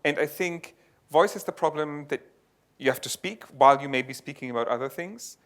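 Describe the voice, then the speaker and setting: A man's voice: fairly high pitch, fairly quick, a bit bright. A man presenting research at a conference and answering audience questions, explaining in a thinking-aloud way with frequent restarts. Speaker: conference speaker. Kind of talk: tech talk and audience Q&A. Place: lecture venue.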